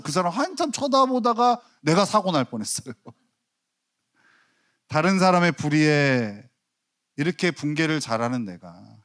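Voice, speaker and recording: Lively, animated Korean male pastor. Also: high voice. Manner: storytelling with lively quoted voices and self-mocking humor. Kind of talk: sermon. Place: church sanctuary.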